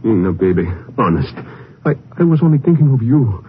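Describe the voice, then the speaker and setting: An actor playing a hot-tempered, protective older brother in a 1950s radio melodrama, emotional and pleading. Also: male voice, medium pitch, big pitch swings, brisk, natural voice. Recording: tinny, noisy vintage radio recording.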